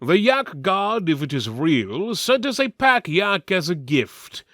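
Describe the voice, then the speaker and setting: A man voicing a gruff, hearty, axe-wielding warrior in a dramatic fantasy story reading, declaiming emphatically. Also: high-pitched, sing-song, slow, fairly bright tone, no echo, clean studio sound, pitched above the performer's own voice, full character voice. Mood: defiant.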